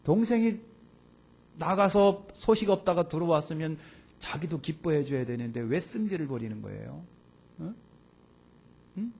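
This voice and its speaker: Husky, animated male pastor preaching. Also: fairly high pitch, moderate pace, long pauses. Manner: animated storytelling, rising to loud emphatic outbursts. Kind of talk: sermon. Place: church sanctuary.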